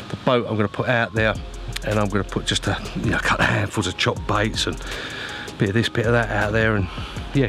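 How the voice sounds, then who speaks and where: A man's voice: lowish voice, fairly bright tone. A man chatting casually to viewers as an angler presenting a vlog, informal and matey, giving practical advice.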